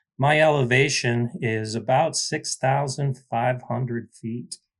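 A man with an American accent, fairly high-pitched and somewhat breathy, talking at a very slow pace over a quiet background. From US Colorado. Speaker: gardener and horticulture teacher. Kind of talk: casual interview chat.

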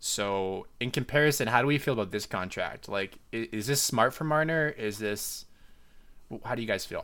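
In a very clean recording with a silent background, a man speaks at a moderate pace. His voice is medium in pitch, with a bright, sharp tone and ordinary pitch variation. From Okeechobee. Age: 20s. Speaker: hockey podcast host. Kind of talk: casual chat.

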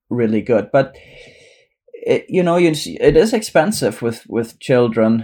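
With a German accent, a man speaks in a dark, mellow tone. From Germany, mountain region. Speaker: homesteader and YouTuber. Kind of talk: interview. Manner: hesitant with repetitions.

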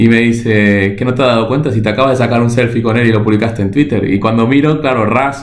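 A man talks at a very fast pace with hardly any pauses and very even loudness. Audible room echo and noticeable background noise fill the recording. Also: medium pitch for a man, fairly even intonation. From Argentina. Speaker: software consultant. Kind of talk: interview.

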